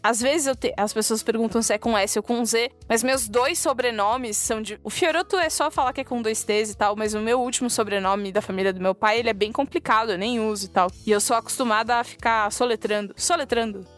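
A woman co-hosting a podcast, reading and acting out a funny listener story in a lively way and often breaking into laughter. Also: fairly high pitch, fairly quick, few pauses, soft background music. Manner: animated, laughs often while telling. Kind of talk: casual storytelling chat.

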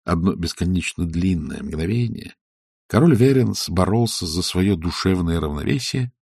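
A man narrating an audiobook with expressive storytelling. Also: sits low, normal speed, gravelly, breathy edge, dry recording, clean studio sound.

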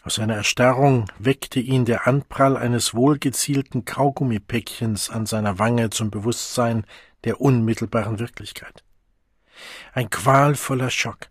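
A man narrating an audiobook in a measured, dramatic way, recorded close on a studio mic. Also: medium pitch, fairly even intonation, breathy edge, no echo.

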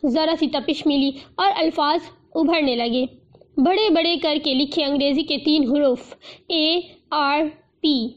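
A woman narrating a novel as an audiobook in a steady, expressive storytelling manner. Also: high-pitched, highs cut off.

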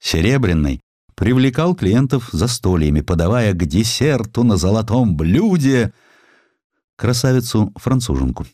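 Male audiobook narrator, low voice, very animated intonation, theatrical storytelling, historical essay. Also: a little slow, dry recording, clean studio sound. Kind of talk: dramatic scripted literary narration of a historical essay.

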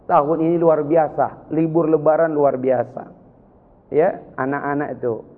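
A man preaching a sermon from Sulawesi, lively, with sudden high emotional cries. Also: measured pace. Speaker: Islamic preacher. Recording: tinny lo-fi with long hall reverb.

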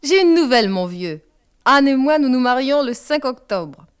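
A woman reading the lines of a confident, charming middle-aged man, voiced loud and raised in pitch. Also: expressive, moderate pace, clear, resonant tone. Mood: jovial.

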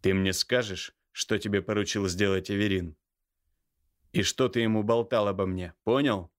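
A seething older brother in an audiobook, voiced by a male reader close to his own low voice. He growls slow, menacing threats with open contempt. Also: steady tone, natural voice. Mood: furious, menacing. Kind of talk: audiobook character voice.

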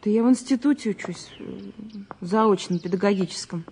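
A woman's voice: medium pitch, brisk, darkish tone, a little hiss or hum, natural voice. An actress playing a chatty, opinionated young woman witness in a naturalistic audio drama, talking colloquially and dismissively. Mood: scornful, opinionated. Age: young adult. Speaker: actor in an audio play. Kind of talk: naturalistic radio drama dialogue.

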